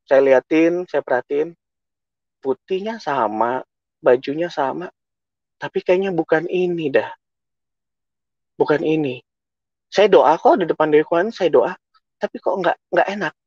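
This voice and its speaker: A young man tells his personal testimony in a fairly high voice, slipping into the voices of the people he quotes. The sound is dry and a little dull. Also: measured pace, long pauses, darkish tone, no echo. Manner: storytelling, acting out quoted dialogue. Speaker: testimony speaker.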